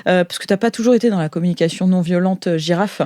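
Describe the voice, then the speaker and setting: A woman narrating a tabletop role-playing game as game master, halting and thinking aloud as she improvises. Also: fairly low pitch, a crowd in the background.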